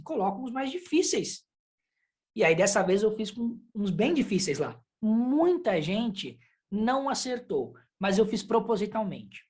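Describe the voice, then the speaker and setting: A woman's voice: medium pitch, darkish tone. Chatty woman teaching a language lesson. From Brazil. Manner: chatty, explains with examples and asides. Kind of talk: casual online lesson.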